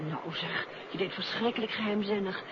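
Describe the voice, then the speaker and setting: An actress playing a detective's inquisitive, teasing, outspoken wife in a 1950s Dutch radio drama, with a questioning, playful, direct manner. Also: female voice, mid-range voice, fairly even intonation, brisk, lightly acted. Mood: reproachful, teasing. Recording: muffled, noisy 1950s radio recording.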